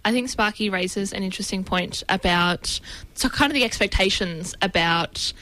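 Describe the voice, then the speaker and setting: A woman's voice: medium pitch, normal speed, sharp tone, low-quality recording. An Australian woman co-hosting a radio show, talking casually with many hesitant fillers. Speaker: radio co-host.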